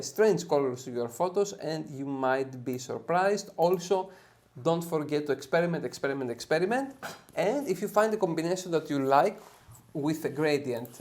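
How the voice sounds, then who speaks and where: A man's voice: on the high side, a little mellow. A man with a Greek accent, from Greece, hosting an upbeat photo editing tutorial and often checking in with "okay?". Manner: upbeat, tags sentences with "okay?". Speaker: software tutorial host. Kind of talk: screen-share editing tutorial.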